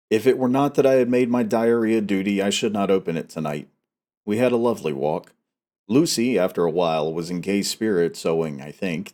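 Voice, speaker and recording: Speaking through a headset microphone, a man with a deep, darkish voice hosts a novel read-aloud, chatting casually and reading in an audiobook style.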